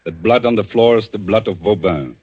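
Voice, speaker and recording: A calm, vengeful avenger. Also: male voice, fairly low pitch, brisk, husky. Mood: accusing. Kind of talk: 1940s radio acting. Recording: dull old radio broadcast with faint music.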